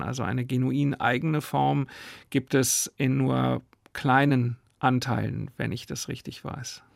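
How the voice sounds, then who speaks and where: A man's voice: medium pitch, gravelly, no echo, studio quality. A man hosting a radio programme, speaking in an articulate, analytical way. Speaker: radio host. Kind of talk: scripted narration and expert conversation about radio history. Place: dry studio.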